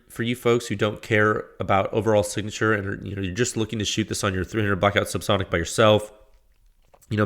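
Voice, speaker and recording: Congested man explaining test data. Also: fairly low pitch. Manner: halting, restarts and fillers, explanatory. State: congested with a cold. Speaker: podcast host. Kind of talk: technical talk.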